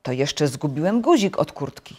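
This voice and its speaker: Grumpy fussy toad guy, lady reading it, loud n complaining, bedtime story. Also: sits low, very animated, normal speed, husky, full character voice. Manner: complaining, emphatic. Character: fussy grumbling male toad, easily upset.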